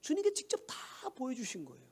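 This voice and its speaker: A man's voice: very high-pitched, wildly swooping pitch, fast talker, mellow, breathy edge. A male pastor preaching a sermon in a conversational way, asking rhetorical questions and answering them himself.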